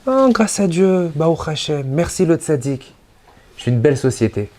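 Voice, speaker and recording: A man's voice: a little high, big pitch swings, moderate pace, warm tone. A man voicing a cheerful nineteen-year-old male entrepreneur from Brooklyn in a story, easygoing and content.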